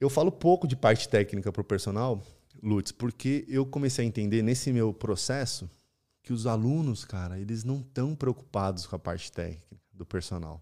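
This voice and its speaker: A man with a plain, everyday voice, medium pitch, lively intonation and a moderate pace, on a very clean recording with a silent background. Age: 30s. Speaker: personal trainer. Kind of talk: casual interview.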